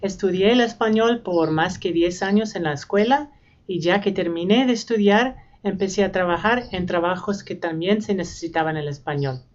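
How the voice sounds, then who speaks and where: Low-voiced American woman, dull recording. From United States. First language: English. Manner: plain, unhurried tour, naming household words one by one. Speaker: language learning vlogger. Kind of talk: casual home vlog. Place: her room and house.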